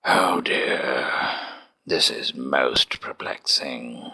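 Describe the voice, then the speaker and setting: A man playing a solemn, bewildered, ponderous figure in an audio comedy, formal and slow with a gravelly rasp. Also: very deep voice, pushed and bright, full character voice. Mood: perplexed. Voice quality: gravelly, rasping.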